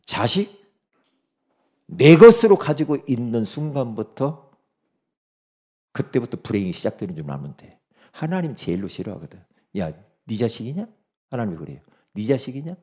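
A man preaching a sermon as pastor, swinging from loud urging to quiet asides and speaking directly to congregation members. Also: mid-range voice.

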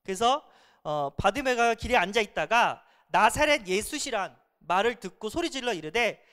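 A pastor preaching a sermon, often asking the congregation rhetorical questions and swinging between loud emphasis and hushed asides. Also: mid-range voice, lively intonation, moderate pace.

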